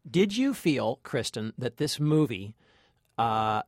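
A man's voice: mid-range voice, very animated, slow pace, dry recording, studio quality. A man co-hosting a film review podcast, talking conversationally and reflectively, repeating phrases for emphasis. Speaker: podcast co-host, film critic.

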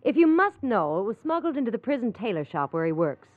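A woman's voice: on the high side, very animated, quick pace, dry recording. A woman playing a guarded young smuggler with a poised, cutting manner in a 1940s radio crime drama, on a muffled old recording. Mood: cool, businesslike. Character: cool, guarded young female forgery smuggler posing as charity worker.

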